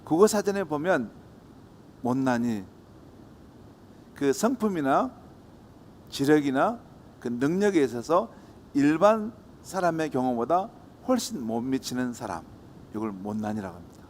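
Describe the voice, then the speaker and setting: A pastor preaching a Sunday sermon, telling a story and acting out the characters' voices. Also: male voice, mid-range voice, very animated, measured pace, pauses often, a little mellow, a little hiss or hum. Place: church sanctuary. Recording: long church hall reverb.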